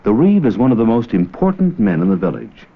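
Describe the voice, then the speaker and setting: Male documentary narrator, lowish voice, animated intonation, scripted delivery, muffled old 16mm sound. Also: a little fast, a little hiss or hum. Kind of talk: scripted educational film narration.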